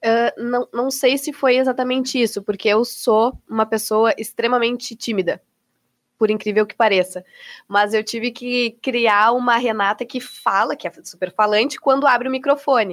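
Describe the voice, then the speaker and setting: Her pitch high, a woman speaks at a moderate pace with fairly even intonation. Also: dry, close sound with no echo. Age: 20s. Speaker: sports journalist. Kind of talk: interview.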